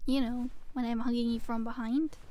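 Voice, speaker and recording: A woman playing a gentle, teasing sleep paralysis demon in an ASMR roleplay, soothing and intimate, talking softly and unhurriedly, now and then slipping into a whisper. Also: a little high, level tone, moderate pace, no echo, natural voice. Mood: tender, playful. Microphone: close microphone.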